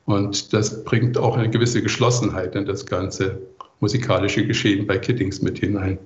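A man in his sixties giving measured, articulate, reflective answers as an interview guest. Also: on the low side, flat delivery, reverberant, muffled recording. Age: 60s.

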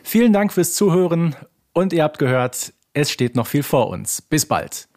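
A man's voice: a little high, very animated, normal speed. A man co-hosting a fan podcast, talking in a conversational style. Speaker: podcast co-host.

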